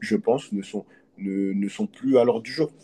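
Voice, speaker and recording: A man from Côte d'Ivoire, a hypnotist, talking in an earnest, reflective and halting way as an interview guest. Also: fairly low pitch, dark tone. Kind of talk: casual interview conversation.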